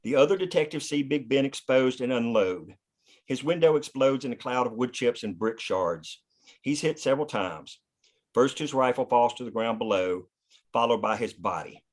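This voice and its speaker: A man's voice: medium pitch, expressive, moderate pace. A man narrating scripted action and scene headings at a screenplay table read. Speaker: narrator reading stage directions.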